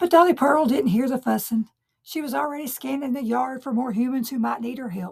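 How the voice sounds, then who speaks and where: Speaking at a moderate pace, a woman uses a high pitch and a Southern US accent. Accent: Southern American. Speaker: storyteller. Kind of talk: story narration. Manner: gentle, warm.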